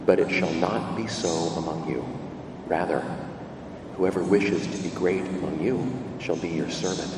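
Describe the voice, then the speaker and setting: A man serving as priest, reading the gospel and preaching a homily at Mass, with a lively, emphatic delivery in a cathedral echo. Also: low-pitched, unhurried. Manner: lively preaching, leaning hard on key words. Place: large church. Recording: long church reverb, distant mic, room noise.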